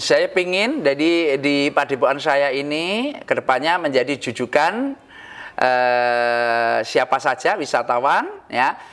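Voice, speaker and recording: The man talks very slowly. His pitch is fairly high, with ordinary variation. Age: 50s. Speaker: traditional dance teacher. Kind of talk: interview.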